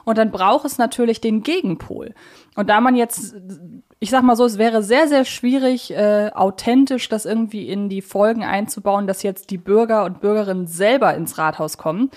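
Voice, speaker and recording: A woman's voice: mid-range voice, moderate pace, a little mellow. A woman co-hosting a podcast, explaining things in an articulate, analytical way in conversation. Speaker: podcast co-host.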